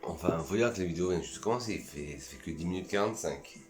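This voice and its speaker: A chatty, enthusiastic man from France talks casually through his collection in a slightly low voice. The room is echoey, with soft music faintly underneath. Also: lively intonation, fast. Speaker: perfume YouTuber. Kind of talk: casual vlog review.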